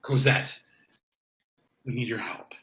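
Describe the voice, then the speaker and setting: A man's voice: mid-range voice, steady tone, slow, fairly bright tone, roomy sound, rough recording. A man playing an earnest, panicky video store boss, urgent and dramatic, in a comedy table read.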